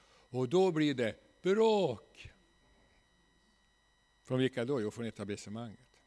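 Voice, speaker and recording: A man's voice: mid-range voice, big pitch swings, warm tone. A Swedish man preaching a church seminar in a folksy, ironic way, often tagging his sentences with a questioning "va?". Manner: folksy, ironic, frequent tag "va?". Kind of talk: seminar sermon. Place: church hall.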